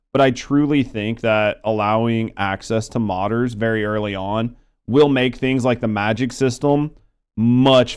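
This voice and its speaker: Clear-voiced man giving casual reaction commentary. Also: medium pitch. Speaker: reaction video host.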